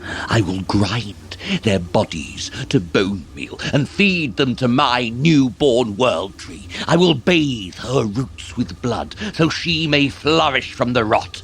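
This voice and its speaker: A gloating dark elf overlord speaks slowly and grandly, with big swoops of pitch. He is mocking and theatrical, over clear background noise in an audio drama. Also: lively intonation. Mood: grandiose, gloating. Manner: mocking, grandiose, drawn-out delivery.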